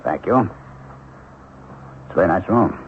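Courteous police lieutenant, probing, informal, animated pitch, 1970s radio play, narrow tinny audio. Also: male voice. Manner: polite, measured, informal. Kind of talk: 1970s radio drama acting. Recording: tinny old radio recording, faint noise.

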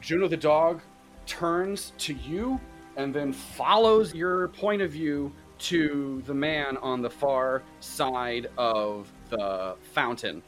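Slow, vivid game master narration. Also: male voice, fairly high pitch, faint music behind. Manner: unhurried, vivid second-person scene-setting. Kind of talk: tabletop role-play narration.

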